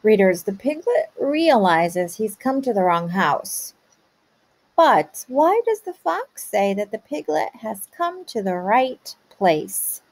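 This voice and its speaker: A woman teacher pausing a read-aloud to ask young children patient questions about the story. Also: mid-range voice, sing-song, darkish tone. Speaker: kindergarten teacher.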